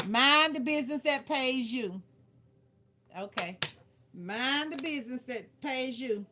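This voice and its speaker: A woman with a fairly high voice hosts a casual live card reading. She talks slowly and gives blunt, playful advice, often saying a line again for emphasis. Clear background noise with clicks runs behind her. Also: expressive. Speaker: tarot card reader and livestream host.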